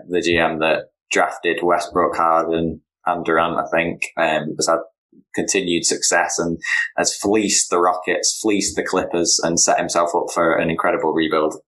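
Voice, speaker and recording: A man from the UK with a very low voice hosts a casual podcast. He asks his questions in a relaxed, friendly way. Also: poor audio. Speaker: podcast host.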